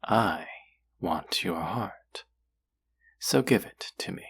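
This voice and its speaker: A man playing a courtly, possessive demon in a roleplay audio drama, speaking formally and deliberately in a husky, gravelly voice. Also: low-pitched, lively intonation, a bit bright, full character voice. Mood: hungry, seductive. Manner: formal, slow, deliberate, coaxing. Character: possessive, courtly male demon who hungers for hearts. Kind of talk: scripted roleplay audio drama addressed to the listener.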